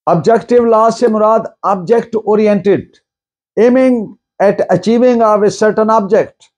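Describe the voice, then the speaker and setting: Slow, high-voiced Pakistani man lecturing. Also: a little mellow. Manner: deliberate, emphatic repetition, mixes in English terms. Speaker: law lecturer. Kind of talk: lecture on law, explanatory.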